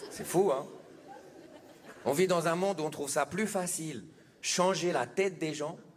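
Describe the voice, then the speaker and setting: Amid noticeable background noise, a man with a high pitch talks at a fairly slow pace, using ordinary pitch variation and long, frequent pauses. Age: 20s. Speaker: stand-up comedian. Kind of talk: stand-up comedy routine.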